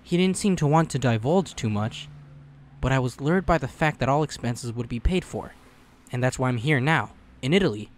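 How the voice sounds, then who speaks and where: A man's voice: mid-range voice, lively intonation, moderate pace, slight background noise, close to an everyday voice. A man voicing a polite, earnest, easily flustered teenage boy in a comic fan dub. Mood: matter-of-fact narration. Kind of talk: fan-dub narration and dialogue. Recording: music behind the voice.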